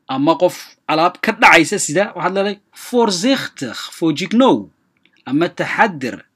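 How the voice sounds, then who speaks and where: A language teacher hosting a lesson, giving quick explanations and then repeating short example phrases slowly. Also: mid-range voice, slightly rough. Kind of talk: radio-style language lesson.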